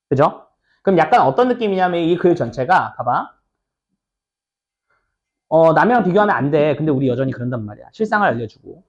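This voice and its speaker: Lively high-voiced male English teacher. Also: highs cut off. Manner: chatty, asks students "right?" often, acts out little skits. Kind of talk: lecture explaining an exam passage.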